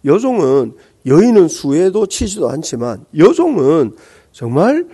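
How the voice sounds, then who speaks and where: A middle-aged male pastor with a Gyeongsang accent, preaching a sermon. He explains scripture, asks the congregation rhetorical questions and pauses on hesitant fillers. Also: a little high, very animated, mellow, husky. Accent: Gyeongsang Korean.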